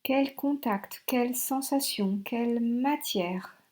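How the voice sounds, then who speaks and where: Female meditation guide, fairly high register, warm relaxed timbre, short spaced-out instructions. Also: slow pace. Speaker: yoga nidra instructor.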